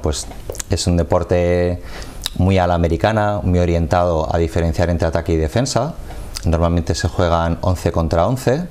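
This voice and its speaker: A man, a football coach explaining his sport in a measured way during a TV studio interview on a lapel mic. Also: low voice, darkish tone. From Madrid, Spain. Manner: measured, explanatory, gestures with hands.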